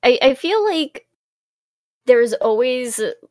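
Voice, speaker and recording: A woman's voice: high-pitched, sing-song, slow, a little mellow, dry recording, studio quality. A woman chatting casually as an interview guest in a cute, bubbly streamer manner, rambling along.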